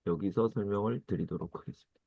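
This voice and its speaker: A man teaching Korean grammar in an online lesson, repeating phrases slowly and acting out little dialogues in a higher, excited voice. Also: creaky, slightly rough, dry recording, dull audio.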